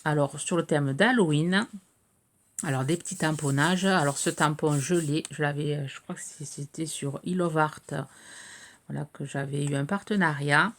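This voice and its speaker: A middle-aged woman with a low, gravelly voice talks casually through craft pieces she received. She hesitates often, filling gaps, and her voice cracks a little now and then. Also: moderate pace. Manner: hesitant, many "euh" fillers, chatty. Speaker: craft video host. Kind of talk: casual show-and-tell of mail.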